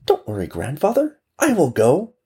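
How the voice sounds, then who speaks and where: A man's voice: a little high, wildly swooping pitch, moderate pace, warm tone, slightly rough, pitched above the performer's own voice, heavily acted. A man voicing a brave, loving little orphan girl who speaks earnestly and firmly in a storybook tale. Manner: earnest and determined.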